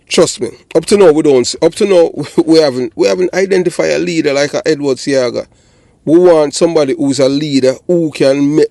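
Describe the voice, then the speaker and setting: A man's voice: mid-range voice, creaky, warm tone, dry recording. An older man with a Jamaican accent giving blunt, emphatic political commentary as a channel host, often checking that listeners follow. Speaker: channel host and commentator, former police officer.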